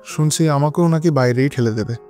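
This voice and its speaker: An actor playing an anxious, hesitant widower in an audio drama, speaking dramatically in halting short phrases. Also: male voice, a little high, dark tone, lightly acted. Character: anxious, hesitant widowed lover narrating his own unease. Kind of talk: Bengali audio drama narration and dialogue. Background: dramatic music.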